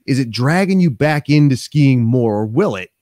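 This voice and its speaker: A man's voice: medium pitch, normal speed, no echo. A man in his thirties hosts a casual podcast interview, rambling and restarting as he goes. He talks into a desk microphone in a small home office, and the sound is dry and close. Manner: rambling, animated, lots of fillers and restarts. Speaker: podcast host. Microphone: desk microphone on stand.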